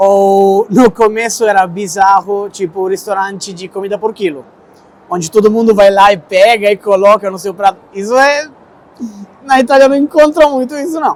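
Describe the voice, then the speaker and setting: A man's high-pitched voice in an Italian accent at a moderate pace, with ordinary pitch variation and noticeable background noise. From Italy, Pescara (Abruzzo). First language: Italian (speaking Portuguese). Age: 30s. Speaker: Italian teacher, immigrant interviewee. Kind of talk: interview.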